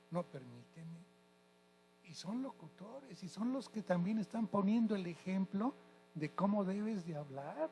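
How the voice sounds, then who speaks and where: A man in his sixties from Mexico, a retired high school teacher answering interview questions in an emphatic, lecturing way. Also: slight background noise, poor audio. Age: 60s. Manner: emphatic, lecturing, corrects pronunciation.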